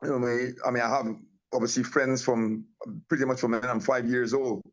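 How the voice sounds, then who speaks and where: A man's voice: mid-range voice, level tone, fairly quick, muffled recording. A man from Guyana, a tea company owner, talking casually as an interview guest over a remote call, rambling with many restarts and fillers.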